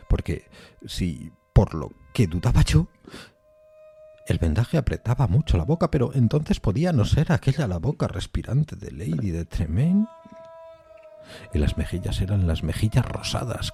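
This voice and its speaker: Male reader as horror-struck widower for gothic tale: low, husky, theatrical, halting, dread-laden. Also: mellow, full character voice. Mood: disbelieving, feverish. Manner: theatrical, halting, emphatic repetitions. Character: haunted, horror-struck widower recounting his wife's resurrection. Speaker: podcast narrator reading a horror story. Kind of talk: dramatic gothic horror audiobook narration.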